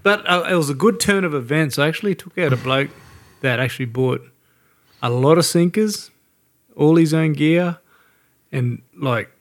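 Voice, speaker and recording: A man's voice: on the high side, normal speed. A man with a Queensland Australian accent chatting casually in a laconic, blokey way, with hesitant phrasing. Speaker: recreational boat fisherman. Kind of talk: casual banter about fishing.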